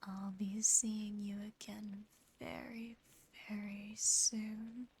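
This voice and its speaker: A woman voicing an affectionate, possessive female demon in a soothing, intimate, softly teasing whisper for an ASMR roleplay. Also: medium pitch, little pitch movement, extremely slow, full character voice. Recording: close whisper over clear background noise.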